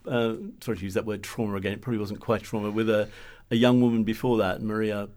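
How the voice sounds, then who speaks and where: A man's voice: fairly low pitch, flat delivery, fast talker, a little mellow. A man, an editor interviewing an author, who asks thoughtful questions with tentative hedges. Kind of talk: conversational interview.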